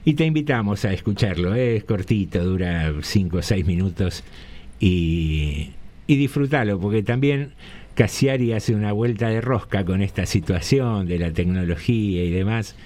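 A man hosting a show who reads a short story aloud in a calm, measured storytelling manner. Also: on the low side. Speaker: host reading a story.

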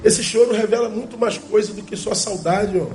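Preaching in a notably high, darkish voice, a male pastor drives his points home with rhetorical questions and slows to repeat key phrases. Faint music plays quietly underneath.

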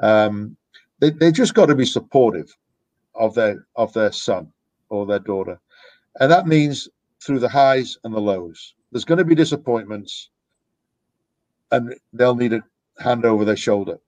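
A man's voice: mid-range voice, lively intonation, a little slow, long pauses, darkish tone, dry recording. Brief: middle-aged male coach, reflective, meandering, dry close mic. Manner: reflective, rambling with restarts. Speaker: youth soccer coach, guest. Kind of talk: casual podcast conversation. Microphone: podcast microphone.

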